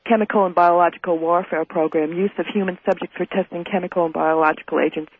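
High-voiced suspicious caller, muffled line. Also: male voice, steady tone, fast talker. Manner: suspicious and challenging. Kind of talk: call-in radio conversation.

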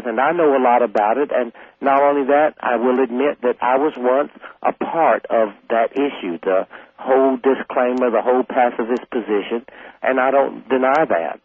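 A man in his forties from South Carolina, a radio guest talking in a calm, earnest, long-winded way. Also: medium pitch, no echo. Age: 40s. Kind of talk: call-in radio conversation. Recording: tinny phone line.

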